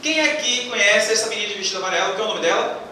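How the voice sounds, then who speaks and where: A man's voice: high-pitched, very fast. A man giving a religious lecture to a live audience in a large hall, playfully quizzing the listeners. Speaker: spiritist lecturer. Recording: echoey hall from far off, faint noise.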